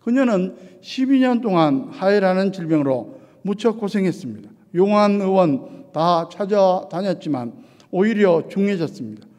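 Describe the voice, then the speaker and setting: A man preaching an earnest sermon as pastor, his delivery moving from quiet to shouted lines. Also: high voice, lively intonation, normal speed. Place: church sanctuary. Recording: long church reverb.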